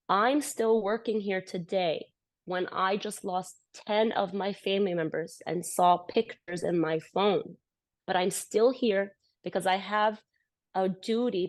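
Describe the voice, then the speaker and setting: A woman speaks at a campus event in a passionate, earnest way, often restarting her sentences as she retells a hard conversation. Her voice sits on the low side for a woman. The sound is dry and close, with little room echo. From United States. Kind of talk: impassioned personal testimony.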